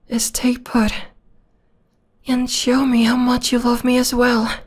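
A possessive young vampire girl, acted by a woman, speaks in an intimate ASMR roleplay. Her voice is fairly high and soft, often slipping toward a whisper. She takes her time with steady, narrow intonation, sounding sweetly menacing and obsessed. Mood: sweetly coaxing.

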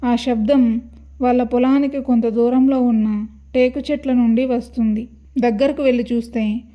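Give me a woman reading a horror story steadily, slightly muffled. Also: on the high side. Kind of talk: scripted horror story narration.

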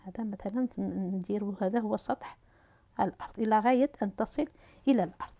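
A woman's voice: mid-range voice, quick pace, gravelly, dark tone. Algerian woman teaching physics step by step. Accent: Algerian Arabic. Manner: hesitant, with fillers and restarts, talking students through drawing. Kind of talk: whiteboard physics lesson.

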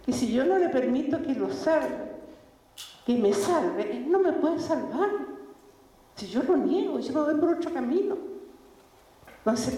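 A woman, telling personal faith stories in an animated way, laughing often and acting out the people she quotes. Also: a little high. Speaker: speaker giving a faith testimony. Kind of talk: religious talk with personal stories. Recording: echoey hall with faint background noise.

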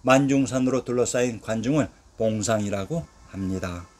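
A man narrates a history lesson from a script, in a voice of ordinary middle pitch. He recites old place names one after another in a steady, measured way, letting each list drop at the end. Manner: steady recited delivery, lists of names with a falling close.

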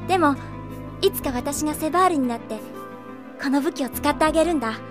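Feisty little girl shop boss for audio drama, very high voice woman actor, stubborn and earnest, music underneath. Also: fast, lightly acted. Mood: wistful, determined. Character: feisty young girl running her late father's shop. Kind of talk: Japanese anime-style audio drama acting.

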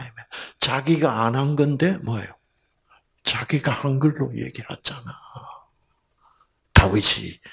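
Slow, gravelly male Bible lecturer. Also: medium pitch. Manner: asks the audience questions and acts out the people in his story; slow, animated delivery, often dropping to a whisper. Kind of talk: storytelling lecture to a live audience.

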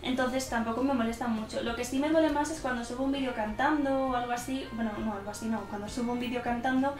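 An eighteen-year-old woman from central Spain, casually answering viewer questions in a quick, nervous way, stumbling over words and laughing often. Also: a little high, fairly even intonation, reverberant. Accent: Spanish from central Spain. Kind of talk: casual Q&A vlog. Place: small room indoors.

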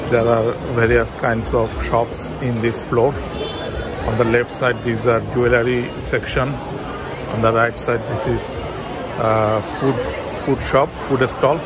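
A man's voice: mid-range voice, level tone. Man narrating a walk through a busy mall. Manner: plain, halting descriptions of shops with fillers. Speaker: travel vlogger. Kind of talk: walking tour narration. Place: busy shopping mall, indoors. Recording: loud crowd and mall noise behind.

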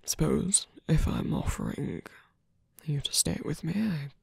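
A man acts out a guarded villain in love for an intimate ASMR roleplay. His voice is very husky and breathy with a gravelly creak, often slipping into a whisper. He speaks haltingly and tenderly, very close and dry on the mic. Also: on the high side, wildly swooping pitch, a little mellow, no echo, exaggerated voice. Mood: earnest, nervous. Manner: halting, hesitant delivery with pauses. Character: guarded, lovestruck male villain, hesitant and tender. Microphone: close dry microphone.

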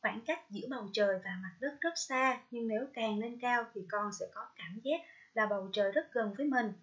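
A woman primary school teacher from Vietnam giving a recorded reading lesson to first graders, gently sounding out words slowly, syllable by syllable. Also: on the high side. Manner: slow, careful syllable-by-syllable pronunciation drills; gentle, coaxing address to young pupils. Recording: dull lo-fi recording.

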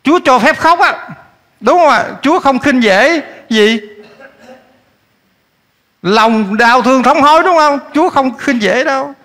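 A male pastor, preaching a lively sermon that swings between loud urging and quiet asides while he keeps questioning the congregation. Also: extremely high pitch, measured pace, pauses often. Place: church hall. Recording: echoey church hall.

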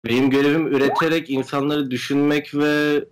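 A man's voice: on the high side, level tone, brisk. Young man answering interview questions. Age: young adult. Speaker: guest performance artist. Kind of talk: interview answers, explanatory talk. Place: indoor room at home, video call. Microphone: video call microphone.

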